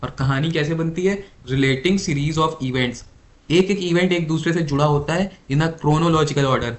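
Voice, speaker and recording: Man tutoring fast for exams, higher voice. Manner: repeats key definitions slowly, quizzing listeners. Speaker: exam tutor. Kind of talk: Hindi-English exam lecture.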